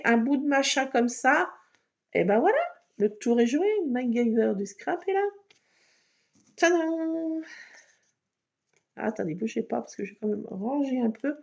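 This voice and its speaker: Chatty woman hosting a home craft video, somewhat high and gravelly, joking at her own expense, muffled lo-fi sound. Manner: chatty and playful, self-mocking. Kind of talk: casual crafting tutorial.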